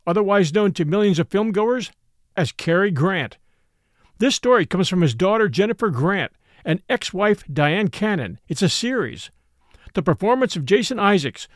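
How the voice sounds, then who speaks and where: Male podcast host for an ad read, high pitch, very varied intonation, dry close sound. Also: dry recording. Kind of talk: scripted promotional read.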